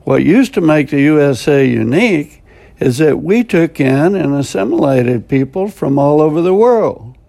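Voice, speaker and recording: A man's voice: on the high side, lively intonation, normal speed, vocal fry, mellow. An older American man reading a short scripted devotional in a plainspoken, homespun way with dry self-mocking humor. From United States. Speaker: devotional radio host.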